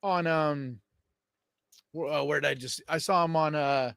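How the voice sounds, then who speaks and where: A man's voice: on the high side, fairly even intonation, a little slow, creaky, fairly bright tone, clear, resonant tone, no echo, clean studio sound. Casual swearing male podcaster. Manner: casual, swears, upbeat reactions. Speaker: podcast co-host. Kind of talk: casual chat.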